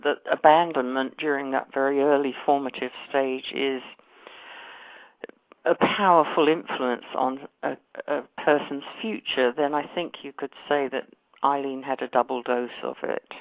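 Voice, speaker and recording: A woman from London with a faded London accent, an author talking as a guest in a phone interview, chatty and quick to correct herself. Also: rumbling low, fairly even intonation, dry recording. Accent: London English, faded. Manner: chatty, self-correcting, laughs easily. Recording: dry tinny phone line.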